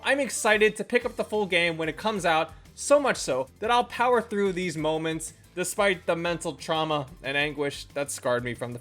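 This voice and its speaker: Animated game reviewer over faint music. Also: mid-range voice. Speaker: video game reviewer, channel host. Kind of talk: scripted review narration. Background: faint background music.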